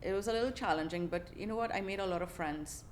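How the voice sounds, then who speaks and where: A woman's voice: medium pitch, quick pace, slight background noise. A middle-aged woman with a Trinidadian accent, telling her life story in a casual podcast interview, chatty, with frequent laughs and restarts. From Trinidad and Tobago. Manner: chatty, laughs often, many fillers and restarts. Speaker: podcast guest.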